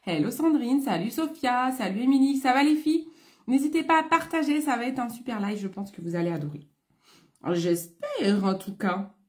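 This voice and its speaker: On a relaxed live stream, a French woman who sells beauty products online chats away and welcomes viewers by name, though a cold is clogging her throat. She speaks at a normal speed in a somewhat high voice.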